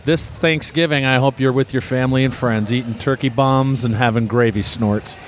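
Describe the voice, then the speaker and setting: A man doing play-by-play for a live basketball game, with deadpan jokes and asides in comedic commentary. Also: medium pitch, moderate pace, slight background noise. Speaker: play-by-play announcer.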